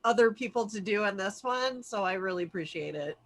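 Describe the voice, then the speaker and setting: A woman's voice: mid-range voice, lively intonation, a little fast, a loud crowd. A woman hosting a virtual script read, speaking as narrator and chatting casually with the group. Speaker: host and stage-direction reader. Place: virtual call from home.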